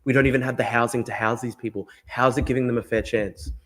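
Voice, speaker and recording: Fast-talking man, emphatic podcast host. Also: mid-range voice, steady tone, fairly bright tone. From Australia. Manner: emphatic, repeats points, frequent "like" and "right?". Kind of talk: opinionated political podcast talk.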